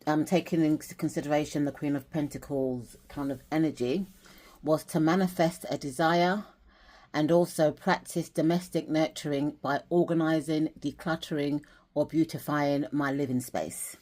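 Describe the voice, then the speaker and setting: A woman's voice: deep voice, steady tone, moderate pace, a little mellow. A woman from England chatting casually in a vlog as she shows dolls and a journal, rambling a little with restarts. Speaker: vlogger.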